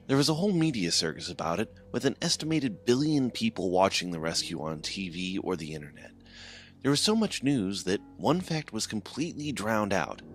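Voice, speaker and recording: A man hosting a horror fiction podcast, giving announcements and then reading the story in a slow, hushed, dramatic way. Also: deep voice, a little hiss or hum. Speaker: podcast host and narrator. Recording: music playing behind the voice.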